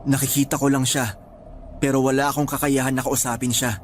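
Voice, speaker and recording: An actor playing a calm young man who can see lost spirits, speaking in a steady, reassuring way. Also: mid-range voice, fairly quick, slight background noise, lightly acted. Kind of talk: radio drama acting. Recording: soft music underneath.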